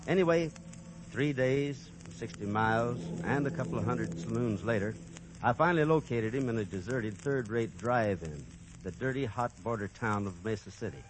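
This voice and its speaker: A man's voice: mid-range voice, expressive, moderate pace, background noise, lightly acted. A man narrating and playing the cowboy hero of an old radio western, in an easygoing, plain-spoken way. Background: music.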